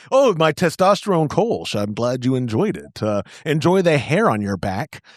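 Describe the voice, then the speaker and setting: A man's voice: on the high side, sing-song, unhurried, no room sound, studio quality. A man co-hosting a podcast, chatting casually and joking about himself, then reading a sponsor ad. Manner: jokey, self-mocking, breaks into silly sung bits. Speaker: podcast co-host. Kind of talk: casual banter and ad reads.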